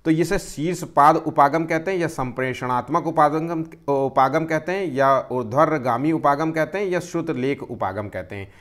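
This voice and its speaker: A man's voice: a little high, moderate pace, hardly any pauses, a bit bright. A young man teaching exam-prep questions, explaining each answer step by step and repeating key terms. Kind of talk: Hindi exam-prep lesson.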